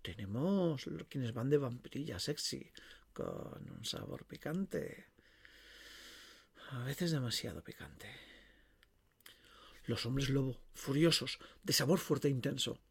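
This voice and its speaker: A man narrating a horror short story dramatically and expressively, savouring his pauses and words. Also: mid-range voice, huge pitch swings, vocal fry, breathy edge.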